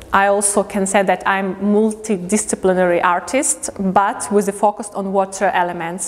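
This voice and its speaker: A woman from Latvia gives a prepared lecture as an artist in English, halting as she looks for words. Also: mid-range voice. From Riga, Latvia. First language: not English. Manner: halting, pausing to find words. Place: indoor museum lecture space. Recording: long reverberant hall.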